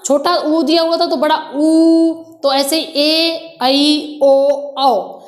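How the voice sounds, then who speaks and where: A woman's voice: high voice, steady tone, very slow, roomy sound. A woman teacher patiently explaining Hindi grammar for an exam, calling her students children and mixing in English words. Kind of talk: exam-prep grammar lesson.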